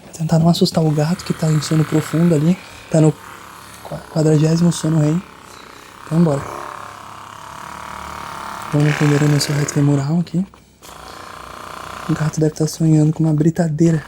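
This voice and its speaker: A Brazilian speaker playing a chiropractor in an ASMR roleplay, chatting softly and informally with a joking streak. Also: medium pitch, little pitch movement, brisk, long pauses, slight background noise. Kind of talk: ASMR roleplay of a chiropractic session, soft casual chat.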